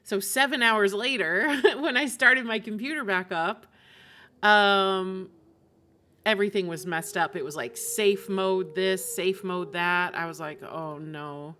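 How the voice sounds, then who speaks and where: A woman's voice: medium pitch, slow pace, bright, forceful tone. A woman game streamer chatting casually and talkatively to her live audience. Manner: chatty, often laughs while talking.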